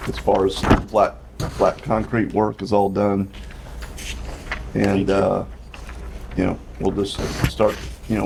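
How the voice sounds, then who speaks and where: A man reporting as a construction contractor, halting, with many fillers. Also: fairly low pitch, creaky, a little mellow, a little hiss or hum. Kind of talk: project status report.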